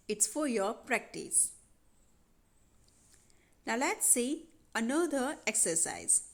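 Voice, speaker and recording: A woman teaching a grammar lesson over a worksheet, patiently repeating instructions to students. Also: a little high. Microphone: voice-over on handwritten worksheet video.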